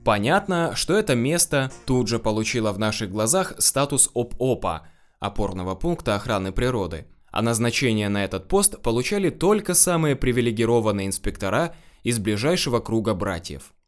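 Male narrator, first-person story reading, wry and slangy, with a very lively, rising-and-falling delivery. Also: medium pitch, moderate pace, faint music behind. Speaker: audiobook narrator.

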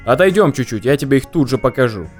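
A man's voice: medium pitch, expressive, fast talker, faint music behind, close to an everyday voice. A man growling as a burly threatening peasant. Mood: gruff. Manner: threatening, rough. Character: burly bearded male peasant, menacing and aggressive.

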